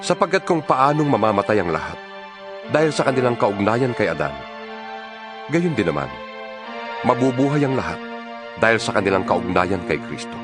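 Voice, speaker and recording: Man acting an impassioned, animated Filipino apostle over music. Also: on the low side. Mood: insistent, reasoning. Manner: earnest, emphatic, preacherly, deliberate phrasing. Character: impassioned male apostle exhorting his fellow believers by letter. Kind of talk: dramatized scripture reading.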